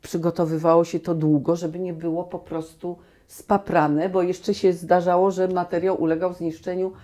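Low, mellow-voiced woman telling stories. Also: moderate pace. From Poland. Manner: animated storytelling with many restarts. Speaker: guest actress. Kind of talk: relaxed reminiscing conversation. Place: small cozy room, indoors.

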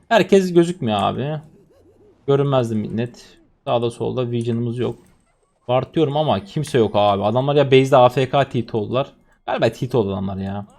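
A man in his twenties from Turkey, streaming a game and commenting on his play, swinging from low muttering to loud excited outbursts. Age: 20s. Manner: swings from muttering to shouting and laughing.

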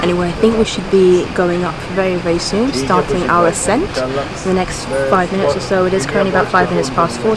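Filming handheld at arm's length in business class, a young female travel vlogger from a Persian-speaking family talks at a medium pitch, chatty and eager as she shows things to camera. She comes across as easily impressed. Sound quality is poor, and there's music in the background.

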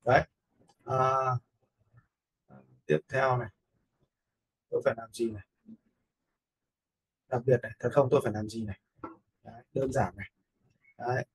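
Casting: male editing instructor, husky, even-toned, casual screen tutorial commentary. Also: mid-range voice, poor audio.

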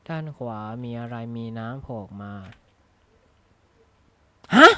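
A man's voice: medium pitch, expressive, takes it slowly, sharp tone, slight background noise. A man talking casually while he plays a video game, joking and thinking aloud with frequent tag words, recorded on a close desk microphone at a gaming desk. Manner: rambling, jokey, thinks aloud with frequent "na ha" tags. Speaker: gaming YouTuber. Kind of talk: casual Minecraft let's-play commentary. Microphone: close desk mic.

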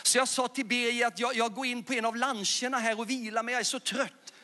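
A man's voice: extremely high pitch, steady tone, pushed and bright. A man preaching in a large church, telling a story with fervour and calling the congregation to raise their hands. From Sweden. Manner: fervent, storytelling, calls to the audience. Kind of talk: sermon with altar call.

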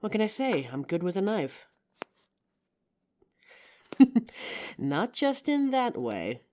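A woman playing a caring, protective bodyguard in an intimate roleplay audio drama, with a gentle, teasing manner. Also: mid-range voice, sing-song, slow. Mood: playful, tender. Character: caring, flirtatious female bodyguard, protective and loyal.

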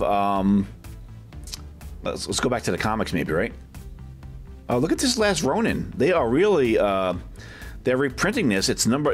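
Man, casual vlog host, medium pitch, chatty, off-the-cuff remarks, questioning tags, music in the background. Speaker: video host and comic collector. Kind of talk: casual shop tour vlog commentary. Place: inside a packed medium-sized shop. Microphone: handheld camera held by the speaker.

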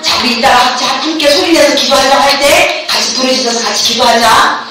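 A woman's voice: high voice, fairly quick, pushed and bright. A middle-aged woman pastor preaching fervently to students, having them repeat after her. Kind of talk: sermon to students at a camp. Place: large echoey hall. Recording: echoey hall, distant mic, background noise.

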